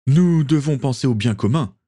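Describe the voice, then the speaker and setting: A man's voice: medium pitch, expressive, moderate pace, warm tone, breathy edge, voice pushed up. A male narrator voicing a self-righteous colonial governor with a lofty, lecturing manner.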